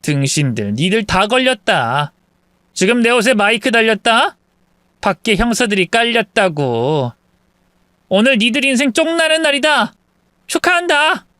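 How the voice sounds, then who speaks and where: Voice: mid-range voice, big pitch swings, unhurried, bright, forceful tone, no room sound, studio quality, voice pushed up. A reader voicing a vengeful divorced sister-in-law who taunts the family in a gloating tone.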